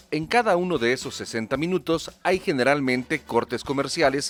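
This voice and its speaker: A man's voice, dry and close with no echo, over music in the background. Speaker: radio host. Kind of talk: radio broadcasting explanation.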